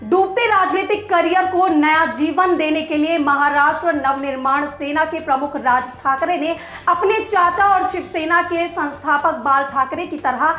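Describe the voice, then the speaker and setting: Lady news anchor, really high voice, emphatic rhetorical commentary, music behind her. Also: pushed and bright. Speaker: news presenter. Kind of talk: scripted news commentary to camera. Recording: echoey room with music behind.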